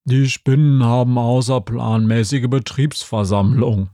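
A man's voice: medium pitch, fairly even intonation, unhurried, dark tone, no echo, clean studio sound, natural voice. A man doing a fed-up costumed creature. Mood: grumbling. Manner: grumbling, then pleading. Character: fed-up male creature in an itchy monster costume. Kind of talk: audiobook character voice.

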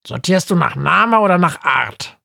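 A man's voice: a little high, expressive, measured pace, creaky, pushed and bright, dry recording, clean studio sound, voice pushed up, heavily acted. A man voicing a small winged male creature who talks in an eager, pushy way.

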